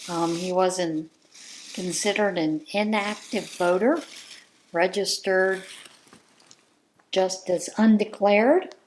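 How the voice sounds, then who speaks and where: Slow, earnest woman chatting at home. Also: fairly low pitch, slight background noise. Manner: earnest, measured and heartfelt. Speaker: crafting channel host. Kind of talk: casual opinion chat.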